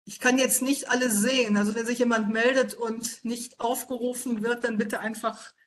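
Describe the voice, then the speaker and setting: A woman reading an essay aloud slowly and gravely, then leading a seminar discussion over a video call. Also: a little high, fairly even intonation, a little hiss or hum, rough recording. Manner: slow, grave and deliberate reading. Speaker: seminar leader.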